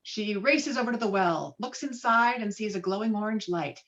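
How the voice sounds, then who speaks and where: A woman reading screenplay stage directions with dramatic, expressive delivery over a video call. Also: mid-range voice, normal speed, lo-fi sound. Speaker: stage directions reader at a table read.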